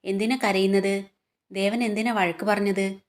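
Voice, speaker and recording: Caring young woman coworker, gentle, read by a woman. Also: mid-range voice, level tone, moderate pace, natural voice. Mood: concerned. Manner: gentle, concerned.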